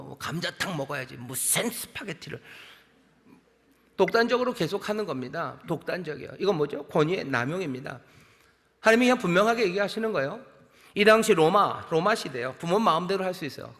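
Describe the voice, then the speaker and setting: Man, middle-aged, senior pastor, sermon, emphatic repetition, questions to the congregation, slightly high voice, long church reverb. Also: a bit bright. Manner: emphatic, repeats key phrases, asks the congregation questions. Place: large church sanctuary.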